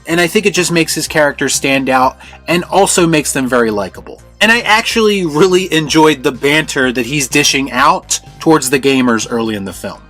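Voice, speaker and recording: A man delivers scripted review commentary as a host. His voice sits a little high for a man, with light music playing underneath. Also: a bit bright. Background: background music.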